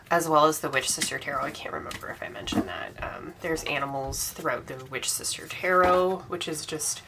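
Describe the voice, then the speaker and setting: Brief: woman host in her 30s, congested from a cold, low and bright voice, chatty, lots of ums. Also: a little hiss or hum. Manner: chatty and enthusiastic, with frequent ums. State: congested from a cold, slightly sore throat. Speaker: tarot channel host. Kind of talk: casual monthly wrap-up vlog.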